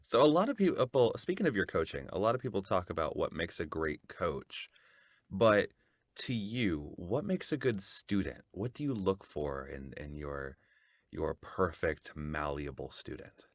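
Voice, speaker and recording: A man with a very deep voice hosts an interview. His pitch moves a lot, and he backs up his guest warmly with short replies. The mic sounds close and dry. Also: big pitch swings, unhurried, no echo. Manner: gentle, encouraging, short affirmations. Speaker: podcast host.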